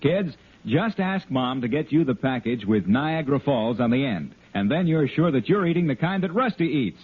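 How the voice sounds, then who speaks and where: A man's voice: medium pitch, sing-song, moderate pace, breathy edge. Hearty 1950s radio announcer man. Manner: hearty, upbeat salesman. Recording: tinny old radio broadcast.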